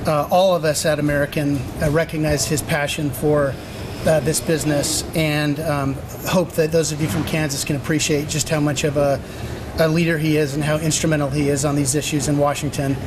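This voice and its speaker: A man giving a public speech as an airline executive, halting and often pausing to find his words. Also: little pitch movement. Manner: halting, frequent hesitant pauses. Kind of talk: public speech at a press announcement. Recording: noisy event, urban background rumble.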